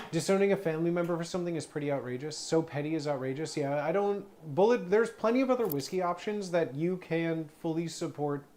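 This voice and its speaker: A man in his thirties, a streamer and former bartender, chatting casually in a rambling way with quick asides. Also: a little high, darkish tone. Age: 30s.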